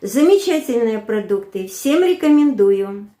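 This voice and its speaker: A woman giving a brisk, to-the-point testimonial. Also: fairly high pitch, animated, mellow. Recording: echoey room.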